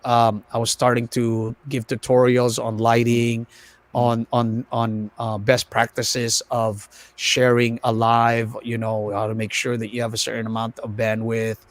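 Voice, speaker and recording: A man with an American accent chats casually and animatedly on a livestream, switching haltingly between languages with some self-deprecation. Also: medium pitch, monotone, no room sound. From United States, of Filipino family. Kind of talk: casual livestream chat mixing English and Tagalog. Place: online video livestream.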